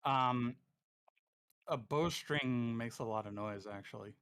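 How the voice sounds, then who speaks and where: Male game master, mid-pitched, casual and thinking aloud, dry close-mic sound. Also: slow, a bit bright, smooth, no echo. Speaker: game master of a tabletop role-playing game. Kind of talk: casual game narration among friends.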